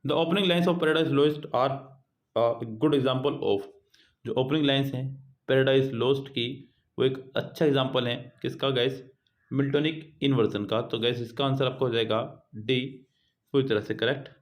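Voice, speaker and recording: A man teaching an exam prep lesson. He reads each English question out slowly, then explains it in Hindi, addressing his students as guys and children. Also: medium pitch, fairly even intonation.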